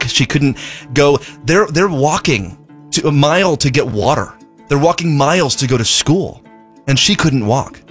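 A man's voice: fairly high pitch, a bit bright. A man from Zimbabwe, a charity spokesman, telling a heartfelt story in a radio fundraising appeal, often repeating words as he goes.

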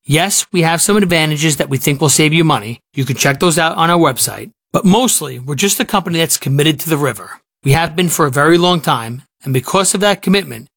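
A man with a slightly high voice reads a radio ad in a sincere, storytelling tone. The sound is dry and close, with no room around it. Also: animated, fairly quick, creaky, hardly any pauses, fairly bright tone, no echo. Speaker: mortgage company spokesman. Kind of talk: conversational radio ad read.

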